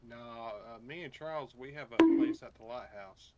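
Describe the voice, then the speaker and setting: A man's voice: medium pitch, expressive, normal speed, highs cut off. A man speaking casually in character in an online roleplay game, with a folksy, helpful way of talking. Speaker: roleplay gamer playing a survivor. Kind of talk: improvised in-character casual chat. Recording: noisy game voice chat.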